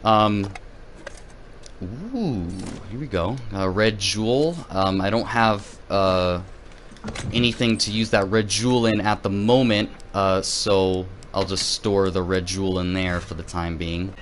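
A man giving let's play commentary, excitable and rambling, swearing and yelling at enemies between many fillers. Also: sits low, a little slow, slight background noise. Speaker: gaming video host.

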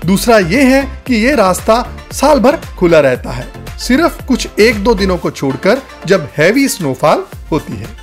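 Lively-voiced male travel narrator. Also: high voice, measured pace, few pauses. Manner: addresses viewers as friends, guide-like. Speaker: travel vlogger. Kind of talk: scripted travel voice-over. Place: voice-over, not recorded on location. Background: faint background music.

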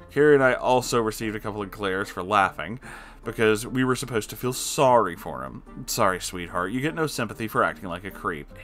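A man's voice: fairly low pitch, fairly bright tone. A man reading an online story aloud, adding sarcastic asides of his own between passages. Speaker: story reader.

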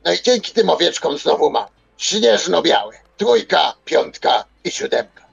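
A man's voice: a little high, big pitch swings, unhurried, vocal fry, slightly rough, dull audio, soft background music. A man roleplaying in a tabletop game, talking hesitantly and wordily and repeating himself. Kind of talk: improvised in-character roleplay.

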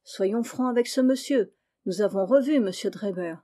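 A woman reading the part of a calm, firm young daughter in an audiobook. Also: mid-range voice, moderate pace, close to an everyday voice.

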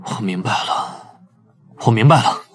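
An actor playing a thoughtful, probing criminal psychologist in an audio drama. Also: male voice, lowish voice, animated, unhurried, a bit bright, slight background noise. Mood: pensive.

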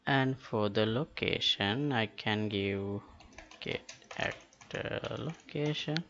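Slow, gravelly man narrating a tutorial. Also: lowish voice, a bit bright, muffled recording. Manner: halting, thinking aloud. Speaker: tutorial host. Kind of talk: unscripted software tutorial narration.

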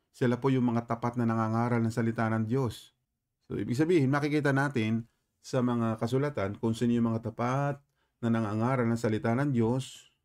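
A man teaches a Bible passage in an even, middle-range voice. His manner is courteous and full of respectful particles. He keeps putting questions back to the listeners and asks whether it is clear. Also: mid-range voice. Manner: questioning, repeatedly checking understanding with listeners; polite, with frequent respectful particles. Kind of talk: explaining scripture to listeners.

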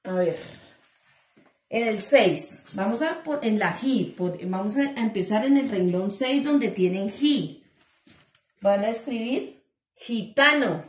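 Woman teacher, patient and slow, sounding out syllables for small children, echoey room. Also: on the high side, animated. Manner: slow, syllable-by-syllable dictation with endearments. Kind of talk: online class for young children.

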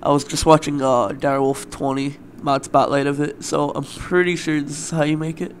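A young man hosting a let's play, talking loosely with lots of fillers, his voice a bit raspy from the morning, at a desktop mic at home. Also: a little high, flat delivery, normal speed, slight background noise. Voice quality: loose, rambling, filler-heavy. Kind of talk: casual gameplay commentary.

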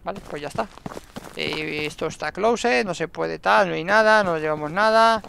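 A man giving excitable gameplay commentary and talking to himself as he plays. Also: high-pitched, moderate pace, vocal fry, a little hiss or hum. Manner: excitable, talks to himself and the game. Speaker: gaming YouTuber.

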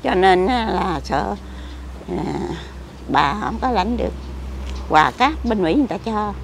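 Gravelly old woman. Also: medium pitch, lively intonation, a little slow, a little hiss or hum. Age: older. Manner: rambling, repetitive complaining. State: frail, weak. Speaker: interviewee. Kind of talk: casual chat. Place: outdoors near a cemetery.

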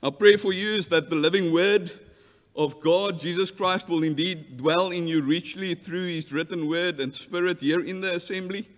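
A man's voice: high voice, normal speed. A man in his thirties from South Africa with an Afrikaans accent, a church delegate earnestly addressing an assembly from a lectern, often restarting words. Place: large church hall. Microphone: lectern mic. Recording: long hall reverb.

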